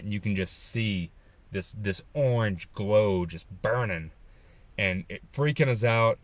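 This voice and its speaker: A man casually telling a backpacking story, animated, with frequent ums. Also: on the low side, no room sound. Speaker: backpacking vlogger.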